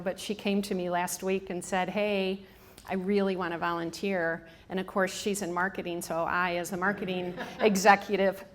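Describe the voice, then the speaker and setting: A woman in her fifties with a strong Michigan accent, giving a casual public talk to an audience with many ums and restarts. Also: mid-range voice. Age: 50s. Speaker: hospice staff speaker. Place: room with a live audience.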